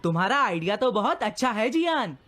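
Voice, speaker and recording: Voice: mid-range voice, very animated, brisk, fairly bright tone. An actor voicing a sly, whiny, tattling schoolboy sidekick who defers to others in a comedy cartoon. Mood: eager, deferential. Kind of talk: dubbed cartoon acting.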